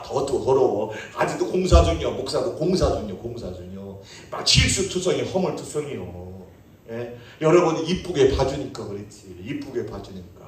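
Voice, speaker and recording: A man preaching a sermon as pastor, playful and animated, calling out questions to his congregation. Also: mid-range voice, distant mic, a little hiss or hum. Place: church sanctuary. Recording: echoey church hall, mic from afar.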